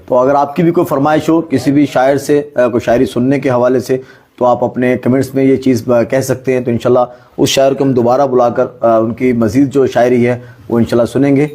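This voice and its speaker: A man hosting an online poetry gathering, speaking in a formal, courteous and halting way. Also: mid-range voice, little pitch movement, dark tone. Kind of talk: live event hosting with appreciative interjections.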